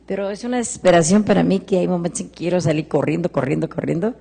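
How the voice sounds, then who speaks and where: An older woman with a Mexican Spanish accent speaks haltingly and repeats her words as she asks her question. Her voice is mellow and soft-edged. It is recorded live, with a long reverb from a large hall. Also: lowish voice, gravelly, husky. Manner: halting, repeats words, voice rises when quoting family. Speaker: audience member asking a question. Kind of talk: emotional personal testimony.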